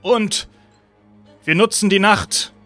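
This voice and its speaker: Man doing a hoarse, coaxing zombie uncle. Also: high voice, pushed and bright, dry recording, soft background music, heavily acted. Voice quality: hoarse, strained voice. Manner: pleading, repeats the name, halting restarts. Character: undead zombie uncle, decayed, coaxing and weary.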